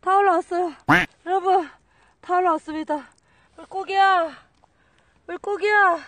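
Excitable high-voiced woman on frozen river. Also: measured pace. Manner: excitable, squealing exclamations, playful. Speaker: camping vlogger. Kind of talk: casual vlog chat to viewers. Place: frozen river outdoors in snow. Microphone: handheld camera. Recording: outdoor camera noise.

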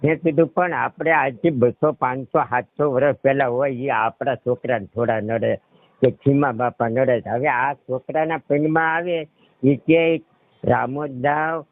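A middle-aged Saurashtra Gujarati caller speaks a little slowly in a mid-range voice with fairly even intonation, on a tinny narrowband phone recording with no room sound. He rambles through his own story, repeatedly checking that he's being understood.

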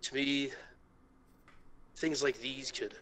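A man voicing a hurt, bitter adult male fox, pleading with halting intensity in an amateur comic reading. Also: medium pitch, fairly even intonation, fairly bright tone. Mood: earnest, wounded.

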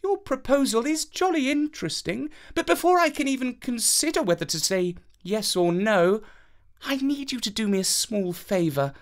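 A woman's voice: a little high, animated, normal speed, pitched above the performer's own voice. A woman voicing a cool, haughty young fairytale princess with prim, polite manners. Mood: prim, demanding.

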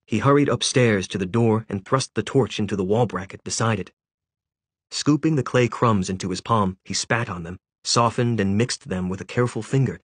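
A man narrating a children's novel aloud in a measured, gently dramatic way. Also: fairly low pitch, husky, no room sound. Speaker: audiobook narrator. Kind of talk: scripted storybook narration.

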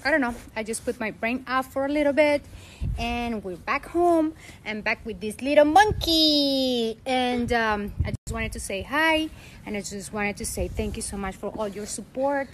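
A woman's voice: on the high side, unhurried, a little hiss or hum. A young woman and mother vlogging casually at home, talking to her viewers and her baby, switching between chatty asides and cooing baby talk. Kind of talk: casual bilingual vlog talk to camera and baby. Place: at home, indoors.

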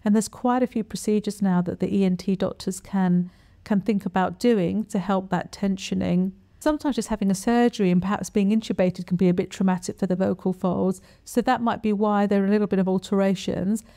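A middle-aged woman giving an explanatory talk to camera as a specialist, in a measured, plain-spoken and instructive manner. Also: medium pitch, steady tone, mellow. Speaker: voice specialist presenter. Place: small quiet furnished room, indoors. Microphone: lapel mic.

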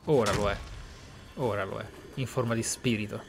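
A man's voice: fairly low pitch, steady tone, normal speed. A man giving roleplay game commentary in a theatrical, pensive manner with murmured asides. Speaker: video game player and narrator. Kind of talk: roleplay let's play commentary, in-character musing and reading aloud. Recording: clear background noise, game ambience. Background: video game ambience.

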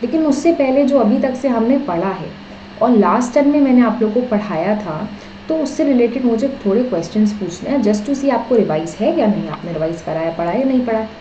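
A woman's voice: on the high side, lively intonation, brisk, mellow, roomy sound, highs cut off, a little hiss or hum. A woman with an Indian accent teaching a live online exam-prep class, mixing Hindi and English, quizzing students and explaining patiently.

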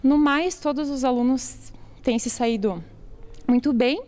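A woman's voice: high voice, measured pace, darkish tone. A woman in her thirties, a project coordinator, speaking in an upbeat, chatty way in a news interview. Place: indoor event hall before a sponsor wall. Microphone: handheld reporter mic.

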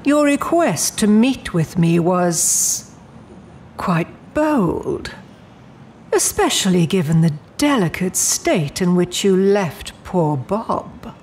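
A woman's voice: on the low side, expressive, slow pace, darkish tone, slight background noise. A woman playing a poised, menacing immortal demon in an audio drama, speaking in a genteel, coolly imperious way. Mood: politely firm.

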